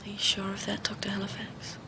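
An actress playing a young violin student, speaking hesitantly and haltingly. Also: female voice, fairly low pitch, fairly even intonation, close to an everyday voice. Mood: troubled, hesitant. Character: young woman, anxious violin student in love. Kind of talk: television drama acting. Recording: noisy TV soundtrack.

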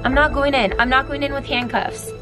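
A woman's voice: sits high, fairly even intonation, a little fast, far from the mic. Nervous woman vlogging in a room. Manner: nervous, talks to viewers. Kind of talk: excited vlog chatter. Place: cabin and car, indoors. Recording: echoey room with music.

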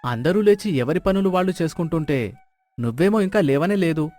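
A man's voice: on the high side, lively intonation, fairly quick, a little mellow, close to an everyday voice. A man playing a nagging village husband, scolding and exasperated, in a storybook dialogue. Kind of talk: scripted animated story dialogue. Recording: background music under the voice.

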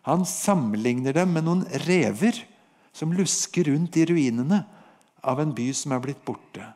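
A man with a Norwegian accent teaches from the Bible on a podcast, telling the old prophet's story as a vivid narrative. His voice sits a little higher than most men's. He slows down to give divine speech its weight. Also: lively intonation, darkish tone. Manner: vivid storytelling, acts out God's words to the prophet.

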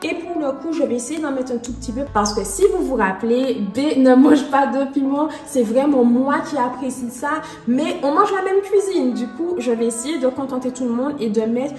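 A young woman with a high, bright voice chats through a home cooking vlog, relaxed and full of little fillers. Her voice rings in an echoey room, with soft music underneath. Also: moderate pace, few pauses. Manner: chatty and relaxed, with frequent fillers and small laughs. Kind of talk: casual cooking commentary. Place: home kitchen.

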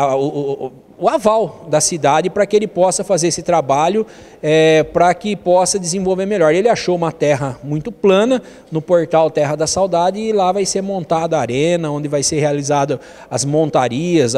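A man's voice: a little high, a little mellow. A middle-aged man with a Brazilian accent answering a TV interview as mayor, repeating words as he explains. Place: indoor room. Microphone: handheld interview microphone. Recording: echoey, reverberant room.

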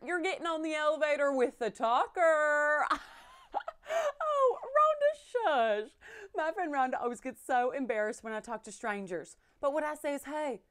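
A woman's voice: high voice, fairly bright tone, exaggerated voice. A woman playing an overfriendly, oversharing chatterbox tourist, gushing and confiding in a comedy monologue.

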